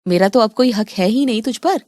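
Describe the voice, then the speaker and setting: A woman's voice: on the high side, a little fast, darkish tone, dry recording, lightly acted. A woman voicing a jealous middle-aged mother who taunts and reproaches her daughter. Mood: reproachful.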